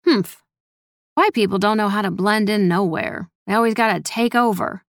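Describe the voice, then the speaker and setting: A woman's voice: mid-range voice, moderate pace, dry recording, close to an everyday voice. Stern, salty grandmother in an audiobook, elderly and protective, scolds bluntly, dry studio sound female reader performs her. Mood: grumbling scorn.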